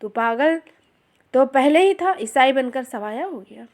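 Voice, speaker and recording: A woman voicing an arrogant, abusive middle-aged male village landlord who shouts insults and threats. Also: on the high side, lively intonation, normal speed. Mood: angry, abusive.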